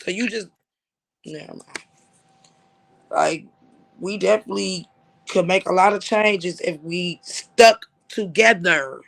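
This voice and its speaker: High-voiced man ranting on a livestream. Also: slow, gravelly, pauses often, fairly bright tone, rough recording. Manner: emphatic, profane, repeats "like I said". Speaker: livestream host. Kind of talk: casual livestream talk.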